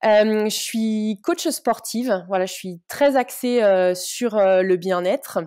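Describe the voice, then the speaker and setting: A woman's voice: medium pitch, slow, dark tone, smooth, dry recording. Woman in her 30s, guest, friendly, hesitant with lots of fillers, dry close sound. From Paris region, France. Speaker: guest, sports coach. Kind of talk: casual interview talk.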